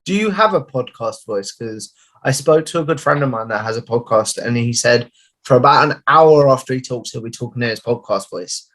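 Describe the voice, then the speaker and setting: A man's voice: medium pitch, expressive, a little fast, a bit bright. A young man hosting a podcast, asking questions in a chatty, friendly way with "like" fillers, speaking through a headset on a video call. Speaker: podcast host. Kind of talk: casual interview chat. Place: home room.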